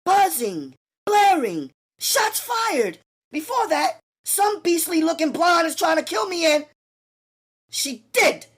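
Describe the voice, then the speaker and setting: A man voicing a tough, streetwise young New woman who talks brashly and fast. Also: extremely high pitch, sing-song, fairly bright tone, voice pushed up, full character voice. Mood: frantic. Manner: brash, rapid-fire, indignant. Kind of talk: audiobook character voice.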